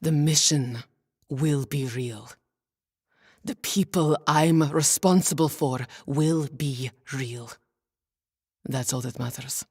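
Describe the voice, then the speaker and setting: Hardened female soldier, deep slow delivery, deadpan, commanding, curt, sci-fi audio drama. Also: slightly rough, full character voice. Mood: grimly resolute. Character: stern, hardened female military lieutenant, curt and unyielding.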